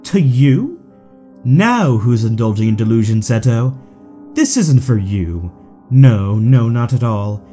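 A man acts out a smug, aristocratic audio drama villain with a mellow tone. His pitch swoops theatrically as he taunts and condescends, with music playing underneath. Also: lively intonation, takes it slowly. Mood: gloating, sweetly cruel. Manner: mocking, drawling, condescending.

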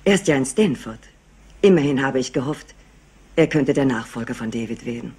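A woman's voice: very deep voice, lively intonation, brisk, a little mellow, husky, full character voice. A woman playing an anxious, bereaved company heiress in a crime drama, earnest, hesitant and pleading. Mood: troubled, uncertain. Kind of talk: German crime drama acting.

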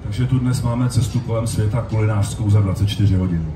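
A man's voice: fairly low pitch, fairly even intonation. Middle-aged man speaking on echoey stage. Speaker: festival speaker. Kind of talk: short anecdotal public speech. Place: open-air covered festival stage. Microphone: stand mic through PA, recorded from audience. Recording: noisy, echoey stage PA from far off.

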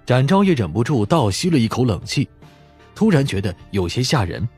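Audiobook narrator, male, dramatic scripted delivery, breathy edge, widely moving pitch. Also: big pitch swings, normal speed, a little mellow, soft background music.

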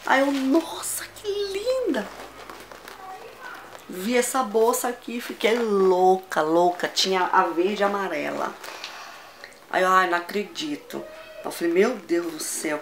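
A woman's voice: lowish voice, normal speed, slight background noise, rough recording. Gushing Brazilian woman showing a haul. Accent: Brazilian Portuguese. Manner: gushing, excitable, repeats words. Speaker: fashion vlogger. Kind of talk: casual haul video.

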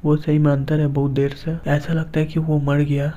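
A man voicing a scheming young sidekick who flatters his boss, read in a flat, even way. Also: a little high, moderate pace, lightly acted. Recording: dull lo-fi recording.

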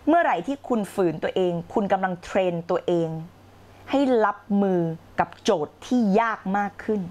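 A middle-aged woman coaching on a live stream, blunt and slangy, acting out her past self with shouted outbursts. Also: medium pitch, expressive, moderate pace. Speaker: life coach. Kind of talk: live-streamed motivational talk.

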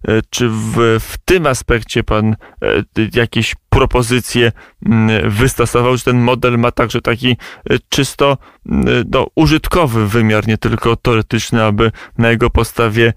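Smooth, flat-voiced male radio host. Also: mid-range voice, dry recording, studio quality. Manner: measured, with drawn-out filler hums. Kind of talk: radio interview questions.

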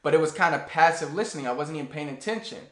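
A man in his thirties giving a casual, animated lesson to the camera in a small room. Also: fairly high pitch, rapid-fire, roomy sound. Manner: animated, gestures a lot while talking. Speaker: language teacher. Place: small plain room indoors.

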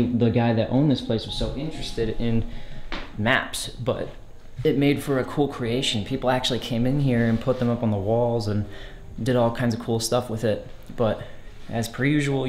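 A young man with a low, mellow voice narrates his walk through an abandoned house, slangy and excited as he points things out to viewers. He's on a handheld camera, and the bare rooms around him echo. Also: a little hiss or hum. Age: young adult. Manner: excited, slangy, talking to viewers while walking. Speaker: urban explorer vlogger. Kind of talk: casual walkthrough narration. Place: empty abandoned house, large indoor rooms. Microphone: handheld action camera. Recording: echoey empty rooms.

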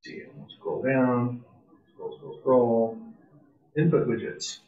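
A man's voice: mid-range voice, fairly even intonation, slow pace. A man presenting an informal live coding tutorial at a club meetup, casual and enthusiastic, thinking aloud as he types. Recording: distant, roomy, muffled meeting-room sound.

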